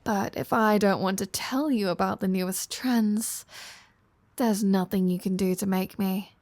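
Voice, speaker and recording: A teasing, sardonic vampire woman, played by a woman, talks straight to the listener in an intimate audio roleplay. She takes her time, with a casual, flirty manner and a mid-range pitch. The sound is very dry, with no room around it. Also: steady tone, darkish tone, no echo, close to an everyday voice. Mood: casual explaining. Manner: teasing, casual, sardonic, with sighs and drawn-out phrasing.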